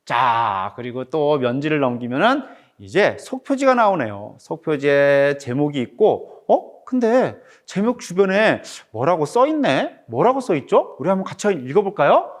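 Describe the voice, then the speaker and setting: A middle-aged man, a picture book author, reads his book aloud to children in an animated teacher's manner and keeps asking them questions. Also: a little high, normal speed, few pauses.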